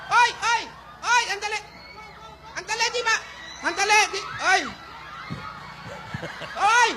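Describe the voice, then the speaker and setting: Man playing a shrill, melodramatic old grandmother. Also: very animated, takes it slowly, a crowd in the background, full character voice. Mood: shrieking. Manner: wailing, scolding, theatrical cries. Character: melodramatic fussy old grandmother, jealous and complaining. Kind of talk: live comedy sketch.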